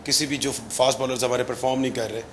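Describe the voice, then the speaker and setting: Reporter, hesitant rambling question, light room noise. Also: male voice, medium pitch, steady tone, quick pace.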